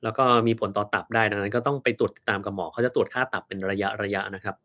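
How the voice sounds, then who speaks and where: Blunt doctor answering questions on a live stream. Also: male voice, lowish voice, steady tone, fast talker, a bit bright. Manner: blunt, dry, reads questions aloud then answers.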